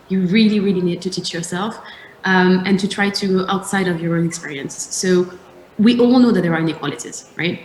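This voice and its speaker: A woman's voice: on the low side, a little hiss or hum. A woman on a discussion panel, speaking emphatically and repeating words for stress. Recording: echoey room.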